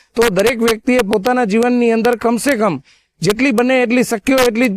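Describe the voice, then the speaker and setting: In a monotone, flat intonation, a man talks at an extremely high pitch. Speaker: business owner. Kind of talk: interview statement.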